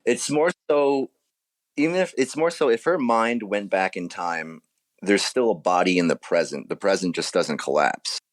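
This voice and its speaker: A man with a deep, low-pitched voice talks as a guest author in an interview. He explains things casually, often rewording himself halfway through a thought. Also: expressive, normal speed.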